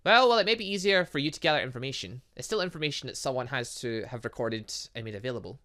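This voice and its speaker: A man's voice: mid-range voice, animated, fast, pushed and bright. A man voicing curious, skeptical young students from a fantasy visual novel game, conversational and questioning. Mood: matter-of-fact. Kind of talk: reading visual novel game dialogue aloud.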